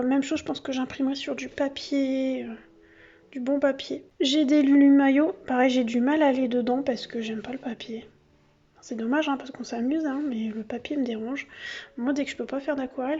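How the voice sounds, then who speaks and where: A woman with a high voice chats through a casual show-and-tell vlog from her home office. She talks easily, stumbles, corrects herself and fills gaps with little hesitations. The sound is a bit dull and lo-fi. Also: darkish tone. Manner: chatty, with many fillers and self-corrections. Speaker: craft vlogger. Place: home office under yellow artificial light.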